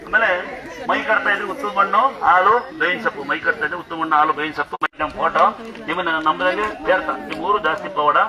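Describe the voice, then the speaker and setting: Fast-talking Kannada temple priest. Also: male voice, on the high side, steady tone. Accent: Kannada, Karnataka. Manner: fast, forceful, instructing devotees. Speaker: temple priest addressing devotees. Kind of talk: loud public address to devotees. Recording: loud crowd behind.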